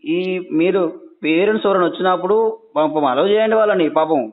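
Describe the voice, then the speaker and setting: Male journalist, Telangana Telugu accent, very rapid speech, confrontational questioning, admonishing, phone-line sound. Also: high-pitched. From Telangana, India. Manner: insistent, admonishing, often cutting in. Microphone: telephone. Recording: tinny narrowband phone call.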